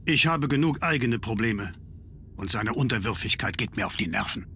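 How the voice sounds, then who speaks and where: A man's voice: on the low side, animated, moderate pace, pushed and bright, a little hiss or hum. An actor voicing an irritable, aloof nobleman in a game dub, curt and dismissive.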